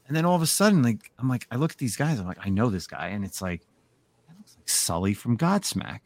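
A man hosting a comic book podcast, telling a story in a casual, animated way. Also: mid-range voice, fast talker, no room sound. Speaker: podcast host. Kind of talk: casual chat.

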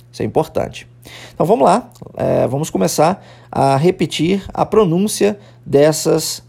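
A man teaching English in a podcast lesson, patiently explaining and slowly repeating example phrases for learners to copy. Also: fairly high pitch, vocal fry, dark tone, breathy edge. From Brazil.

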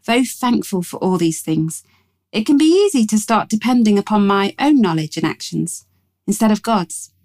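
A woman reading a scripted Christian devotional in a measured, reflective and reverent way. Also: mid-range voice, animated, a little mellow. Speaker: devotional reader. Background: music behind the voice.

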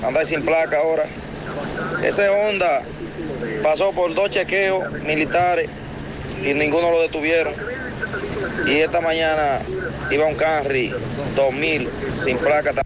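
A man leaving a voice message for a radio show, complaining quickly. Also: fairly high pitch, steady tone. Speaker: caller. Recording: outdoor traffic noise.

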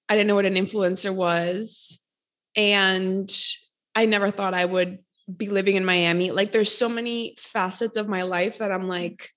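A woman's voice: mid-range voice, a bit bright. A woman in her late twenties from Costa Rica, a podcast guest chatting casually, rambling and laughing at herself. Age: 20s. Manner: self-deprecating, laughs often, rambling. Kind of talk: casual chat.

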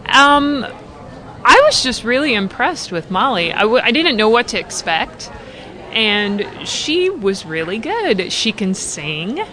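A woman's voice: a little high, sing-song, slow, pushed and bright. A woman co-hosting a podcast, chatting casually and teasing her co-host. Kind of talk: casual chat.

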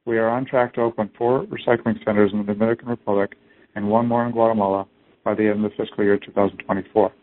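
A man's voice: on the low side, flat delivery, fast talker. A man reading a scripted business presentation as a company executive on an earnings conference call. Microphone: conference call phone line. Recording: narrow tinny phone-line audio.

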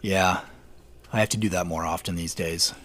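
A man playing an earnest, reflective tech executive, narrating and speaking in an audio drama in a measured, understated way. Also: low voice, steady tone, fairly bright tone. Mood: sincere, grateful. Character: reflective Seattle tech CEO, earnest man narrating his own story. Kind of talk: first-person scripted audio drama narration and dialogue.

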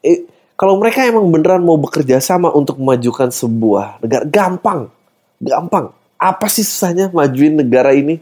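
A man's voice: fairly high pitch, lively intonation, a little fast, a little mellow. A man hosting a podcast, delivering an exasperated, ranting satirical comedy monologue with English swearwords mixed into his slang. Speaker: podcast host.

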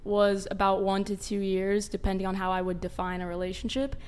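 A woman's voice: mid-range voice, fairly even intonation, a little fast, darkish tone, smooth. A nineteen-year-old woman chatting casually as a panel guest, youthful and informal, often saying "like". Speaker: panel guest, college student. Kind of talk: casual chat.

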